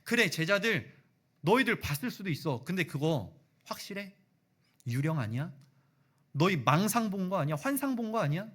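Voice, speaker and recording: A man's voice: high voice, very animated, normal speed, a bit bright, pitched above the performer's own voice, full character voice. A male pastor voicing a stubborn, scornful male disciple who mocks and refuses to believe. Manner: mocking, dismissive, insistent.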